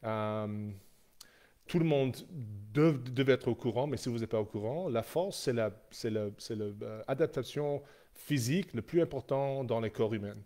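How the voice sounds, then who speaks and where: A man's voice: mid-range voice, moderate pace, mellow. Guy coaching strength on a live stream, lots of uh and restarts, medium voice. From Canada. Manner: hesitant, many fillers and restarts. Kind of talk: live Q&A presentation.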